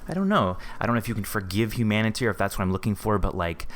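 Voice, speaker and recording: A man with a low-pitched voice talks casually as a podcast interviewer. He is agreeable and works through his thoughts out loud. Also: animated, rapid-fire, slight background noise.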